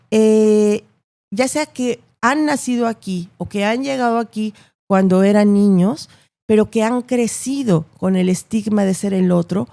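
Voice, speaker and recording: Latin American woman with a creaky voice. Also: medium pitch, mellow. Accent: Latin American Spanish. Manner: articulate, emphatic, builds points with repetition and rhetorical tags. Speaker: interview guest, journalist. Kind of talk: conversational interview, explaining opinions.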